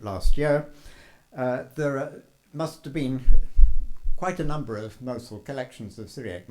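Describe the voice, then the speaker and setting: Older male academic, hesitant conference lecturer, frequent pauses and fillers. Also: medium pitch, a little mellow, poor audio. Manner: hesitant, many ums and uhs. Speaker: scholar giving a conference talk.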